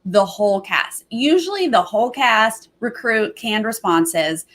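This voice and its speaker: A woman's voice: fairly high pitch, animated, unhurried, fairly bright tone. A woman hosting a reality TV fan show, chatting casually with teasing, opinionated reactions.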